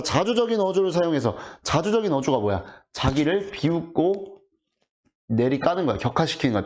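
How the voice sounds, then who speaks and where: Lively teacher explaining poems. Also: male voice, on the high side. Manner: rhetorical questions to students, colloquial and animated. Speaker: high school Korean literature teacher. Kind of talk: online exam explanation lecture. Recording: dull lo-fi audio.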